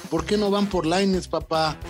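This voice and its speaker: A man co-hosting a sports podcast, pausing with fillers and asking pointed questions. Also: high-pitched, fairly even intonation, soft background music. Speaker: podcast co-host. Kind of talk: joking sports chat.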